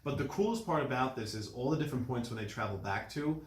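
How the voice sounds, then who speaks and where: A man's voice: medium pitch, expressive, fast talker, a little hiss or hum. A man in a casual film discussion, recapping with restarts and emphatic agreement. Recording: roomy, echoing room sound.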